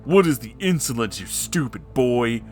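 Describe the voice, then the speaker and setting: A haughty cartoon cat speaks low and slow, every word stern and pompous, as a man puts him on. He sounds puffed up and self-important. Faint music plays underneath. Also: animated. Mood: roaring.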